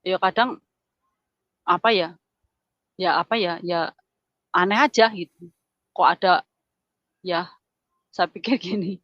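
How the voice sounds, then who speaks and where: A woman's voice: fairly low pitch, a little slow, long pauses, dry recording. A middle-aged woman giving an emotional personal testimony in casual storytelling, repeating herself and acting out dialogue. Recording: dull lo-fi sound.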